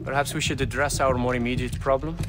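A man's voice: medium pitch, fairly even intonation, quick pace, noisy background, lightly acted. An actor playing a slick, anxious black-market dealer in a video game, formal and persuasive as he bargains. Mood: slick, bargaining. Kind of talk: dramatic video game acting.

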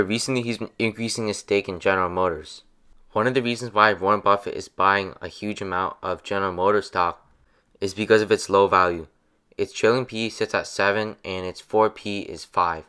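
A young adult man giving a steady, scripted voice-over that explains stock picks. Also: lowish voice, clean tone. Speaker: finance channel narrator.

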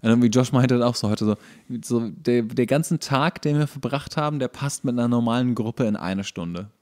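A man co-hosting a podcast, telling anecdotes in casual, halting talk where he often repeats himself. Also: mid-range voice, darkish tone. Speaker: podcast co-host.

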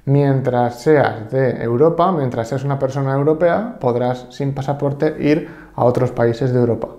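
A man with a Spain Spanish accent teaches a Japanese lesson, his voice dark and mellow. He explains patiently and repeats each example slowly. The sound carries a roomy echo. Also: medium pitch, muffled recording. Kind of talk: online language lesson.

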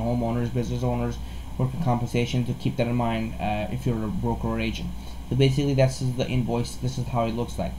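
A man with a medium-pitched, relaxed and dark-toned voice talks through an informal tutorial. He speaks haltingly, repeating words and restarting phrases as he explains. There is faint noise behind him. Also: rough recording. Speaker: insurance broker presenting a tutorial. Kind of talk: informal screen-share explainer.

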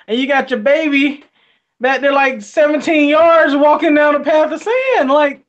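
A young man co-hosting a movie review chat, talking in an animated, colloquial way and laughing often. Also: extremely high pitch, dull audio. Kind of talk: casual chat.

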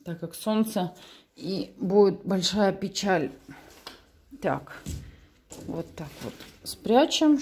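A woman's voice: mid-range voice, a little mellow. A woman in her thirties chatting informally in a casual home vlog, as a mother of young children. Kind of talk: casual vlog chat, talking to camera and to her toddler. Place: living room and bedrooms at home, indoors. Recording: echoey room.

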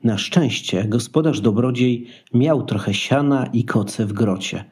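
A man's voice: mid-range voice, measured pace, darkish tone. A man narrating a Christmas radio play in a scripted storytelling style.

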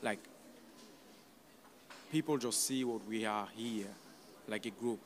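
A young man from Cameroon, a guest in a casual radio interview in an open event booth, talking haltingly with many fillers. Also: on the low side, a little hiss or hum. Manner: hesitant, many fillers and restarts. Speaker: youth advisory committee guest. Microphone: table mic on a stand with headphones.

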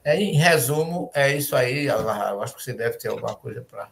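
An older man, a spiritist lecturer, explaining terms in a measured way with restarts, heard over a video call from a home study. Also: medium pitch, lively intonation, vocal fry, slight background noise. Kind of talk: explanatory panel talk.

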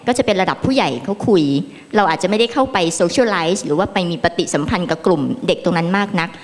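Woman, seminar moderator, polite and formal, very lively pitch, reverberant hall. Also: fast. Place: large conference room. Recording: long reverb of a large hall.

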